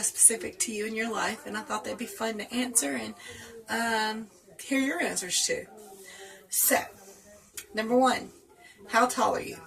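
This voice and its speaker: A woman's voice: medium pitch, vocal fry, a bit bright, low-quality recording. A woman in her late thirties with a Southern US accent, chatting casually and laughing often while answering tag questions. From North Carolina. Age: 30s. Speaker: vlogger.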